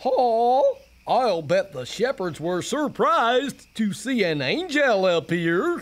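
In a cartoonish character voice, the speaker goes at a fairly slow pace with a fairly high pitch. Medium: puppet. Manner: upbeat.

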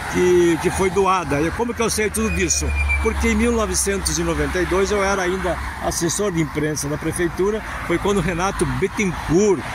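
A man's moderate pace comes in a dry sound with no echo, while noticeable background noise lingers behind him. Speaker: local history vlogger. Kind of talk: walking tour commentary. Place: street. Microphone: phone near.

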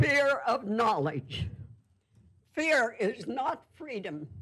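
A woman speaks at a very slow pace with very wide pitch swings and vocal fry. The background is quiet. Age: 80s+. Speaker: war widow. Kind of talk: public comment at school board meeting. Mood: firm, earnest protest. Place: hall. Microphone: podium.

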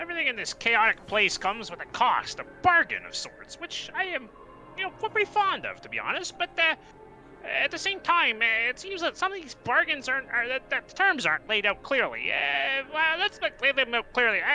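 A female-sounding, high-pitched voice against clear background noise. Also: moderate pace. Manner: impatient, exasperated.

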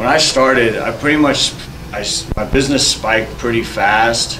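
A man's pitch varies in an ordinary way as he speaks at a moderate pace against noticeable background noise. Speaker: interviewee. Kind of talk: interview answer. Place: office. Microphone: camera far.

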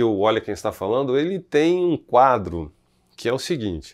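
A man speaks in a medium pitch at a moderate pace. His pitch swings very widely. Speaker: interviewer, former radio announcer. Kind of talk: casual interview chat.

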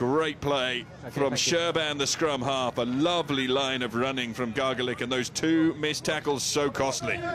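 Over noticeable background noise, a man at medium pitch talks with very even loudness and hardly any pauses. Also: moderate pace. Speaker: rugby commentator. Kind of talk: rugby match commentary. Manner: animated, rising in pitch at tries and close calls.

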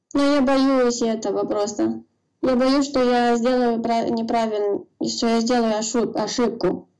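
A woman speaks at a very slow pace in a fairly high pitch. Her loudness stays very even and her intonation fairly even. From Moldova. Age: 20s. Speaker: caller seeking psychological advice. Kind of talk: therapy consultation. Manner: halting.

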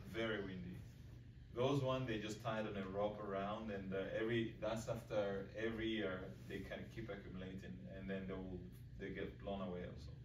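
Amid noticeable background noise, a man talks at a fairly quick pace in a fairly low pitch with lively intonation. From Tanzania. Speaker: mountain guide. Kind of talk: talk to students. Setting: lecture hall with audience. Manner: humorous. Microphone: camera far.

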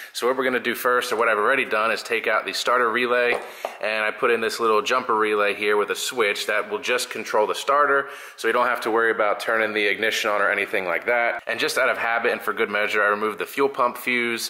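Very fast and with very even loudness, a man delivers his words in a monotone with flat intonation. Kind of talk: tutorial. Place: garage. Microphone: phone near.

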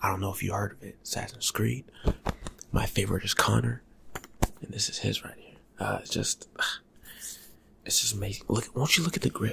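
Someone whispers at a fairly quick pace. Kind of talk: casual soft-spoken chat to viewer, roleplay-like. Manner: soft close ASMR roleplay voice. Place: home room. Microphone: phone near.

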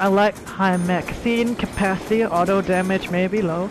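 Fairly slow speech over music in the background. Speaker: gaming video creator. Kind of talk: live gameplay commentary.

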